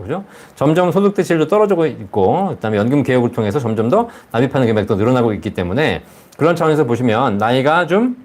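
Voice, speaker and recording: A man's voice: mid-range voice, a little mellow. A man hosting a live advice stream, explaining things to viewers and often checking in with rhetorical questions. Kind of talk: live call-in style financial advice, answering viewer comments.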